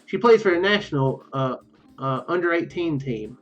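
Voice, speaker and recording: A man with a slightly high, very lively voice gives casual let's play commentary. He reads game text aloud in a halting, rambling way, doubling back to correct himself. The sound is muffled, with game music playing behind him. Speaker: let's play video host.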